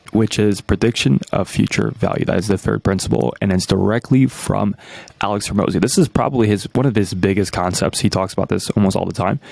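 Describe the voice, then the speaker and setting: A man in his twenties from New York, breaking down marketing tactics as a coach, energetic and full of rhetorical questions, tagging "right?" onto nearly every point. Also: fairly low pitch, vocal fry, no echo. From New York, USA. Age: 20s. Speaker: YouTube business coach.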